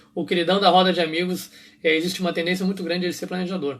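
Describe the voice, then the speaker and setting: Loud and high-pitched, a man speaks on a very clean recording against a silent background. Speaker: behavioral profile coach. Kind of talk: live stream talk. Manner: fast.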